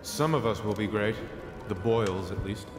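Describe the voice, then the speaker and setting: A man's voice: lowish voice, moderate pace, over music, natural voice. A man playing a cynical aristocratic party guest in a video game, dry and disdainful. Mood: cynical, gloomy. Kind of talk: video game character dialogue.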